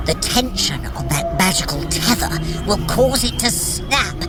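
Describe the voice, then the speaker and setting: A woman's voice: medium pitch, lively intonation, unhurried, lightly acted. A woman playing a smug, boastful trickster sorcerer who coaches a runner in an audio drama, theatrical and wry, taunting mortals. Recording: loud music under the voice. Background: music.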